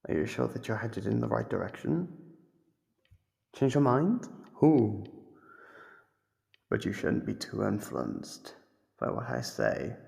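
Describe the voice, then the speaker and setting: A man playing a sadistic, playfully menacing monster captor in an ASMR horror roleplay, with a gravelly, husky voice and a slow, teasing delivery. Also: fairly low pitch, sing-song, a little mellow, full character voice. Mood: taunting, amused.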